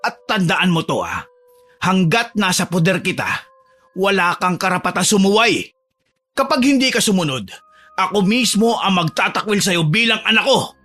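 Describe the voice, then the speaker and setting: A man's voice: high voice, sing-song, normal speed, sharp tone, heavily acted. A man voicing a strict, angry father scolding and threatening his daughter, over faint music.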